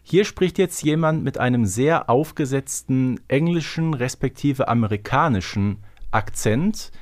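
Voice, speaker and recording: Animated male podcast co-host. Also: mid-range voice, measured pace. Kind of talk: casual chat about audio dramas.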